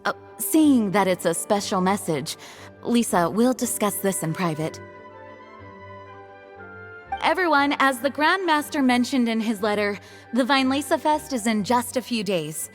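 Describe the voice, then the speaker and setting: A woman playing the calm, authoritative acting leader of a knightly order, speaking formally, in a game. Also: on the high side, a little slow. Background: game music.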